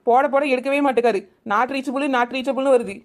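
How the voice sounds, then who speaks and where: A woman's voice: high-pitched, steady tone, natural voice. A woman playing a young village wife who banters sharply with her neighbours and feels let down by her husband. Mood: hurt. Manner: quick, sharp-tongued teasing, then wounded. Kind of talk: village family drama acting.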